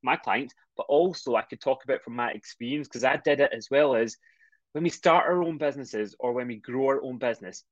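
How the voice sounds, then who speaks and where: A middle-aged man with a Scottish accent, a mindset coach speaking as a guest on a podcast, talking quickly and energetically as he explains. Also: mid-range voice, no echo, highs cut off. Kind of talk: podcast interview.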